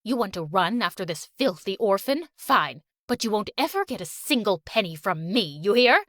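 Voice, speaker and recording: A woman's voice: mid-range voice, very animated, moderate pace, a bit bright, no room sound, clean studio sound, pitched below the performer's own voice. A woman voicing a domineering wealthy older woman who talks in a harsh, cutting way. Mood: scornful.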